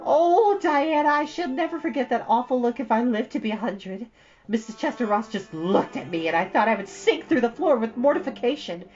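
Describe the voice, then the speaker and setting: A woman's voice: fairly high pitch, lively intonation, brisk, a little mellow, highs cut off, voice pushed up, natural voice. A woman playing a dramatic chatterbox girl. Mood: rueful, dramatic. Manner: breathless, run-on storytelling, theatrical. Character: chatty imaginative young girl, dramatic and earnest.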